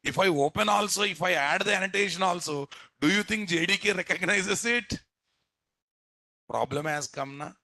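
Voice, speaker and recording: The man's pitch is high and his pace moderate, with vocal fry and a pushed, bright quality, recorded without echo. He's a programming instructor teaching students in a live class, speaking with a Telugu Indian English accent. His manner is blunt and scolding, full of repetition and rhetorical questions.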